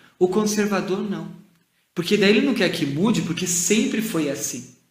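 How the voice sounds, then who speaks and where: Audible room echo surrounds a man's high voice as he speaks at a fairly slow pace with ordinary pitch variation and long, frequent pauses. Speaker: Methodist bishop. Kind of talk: casual interview chat.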